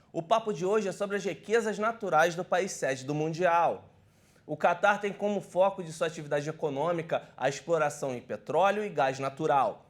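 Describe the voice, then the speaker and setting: A man presenting a sports news bulletin in an upbeat, lively way. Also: on the high side.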